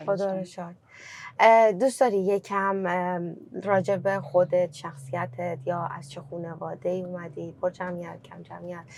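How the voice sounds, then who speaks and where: Speaking at a moderate pace with a Kurdish accent, a woman with a fairly low pitch shows ordinary pitch variation and big swings in loudness. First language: Kurdish (speaking Persian). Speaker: podcast host. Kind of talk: interview.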